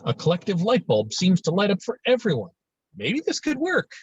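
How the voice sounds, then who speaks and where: A man narrating stage directions in a lively way at a screenplay table read. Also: high-pitched, normal speed, slightly rough, no room sound. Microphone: video call. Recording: dull lo-fi video call audio.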